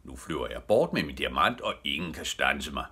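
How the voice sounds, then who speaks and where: A man's voice: very deep voice, big pitch swings, bright, forceful tone, slightly rough, exaggerated voice. A man voicing a sly, pompous male swindler in a children's story. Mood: smug.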